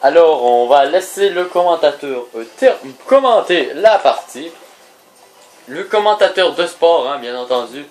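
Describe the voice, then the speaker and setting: A Québécois man chatting over his game in an unhurried, easygoing way. His pitch moves a lot, rising and dipping with each joke and aside. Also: faint music behind, rough recording. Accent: Québécois French. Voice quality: lively, joking, mock sportscaster asides. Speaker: gaming video host. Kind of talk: casual let's play commentary.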